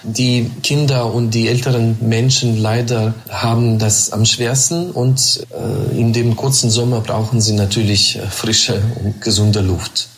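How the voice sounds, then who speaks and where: A man's voice: medium pitch, level tone. Man, faint room noise. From Yakutia. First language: Yakut. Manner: careful, measured, with pauses. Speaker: interviewee. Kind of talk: remote interview.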